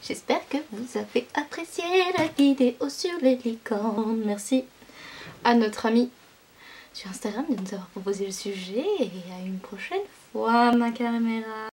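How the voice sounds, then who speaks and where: Young woman doing a history explainer, jokey asides, high voice, really echoey room. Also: a little slow, a little mellow, a little hiss or hum. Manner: playful, joking asides. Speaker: YouTube creator. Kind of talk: casual explainer.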